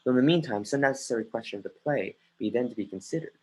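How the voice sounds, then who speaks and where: During a Shakespeare stage reading streamed live through a home computer mic, a male actor plays an earnest, brooding young prince, often stumbling. His husky, mid-range voice is a little mellow with lively intonation, and the acting is light. His mood is brisk and commanding, and his delivery is halting, restarting phrases mid-line.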